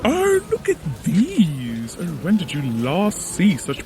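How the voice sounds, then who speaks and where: An actor playing a chatty, fussy palace servant, excitable and heard from a distance. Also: male voice, high-pitched, slow, noisy background, full character voice.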